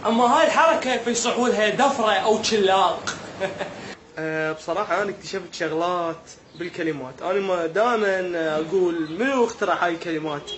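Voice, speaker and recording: This Iraqi man's voice sits high with a fairly bright tone, and he talks fairly quickly through a jokey vlog monologue, feigning confusion for his viewers. He's from Iraq with an Iraqi Arabic accent, and slight background noise is present.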